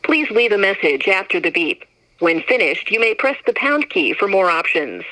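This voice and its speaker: A recorded phone menu message reading options in an even, clearly spaced scripted announcement. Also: mid-range voice, normal speed, low-quality recording. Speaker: automated phone greeting.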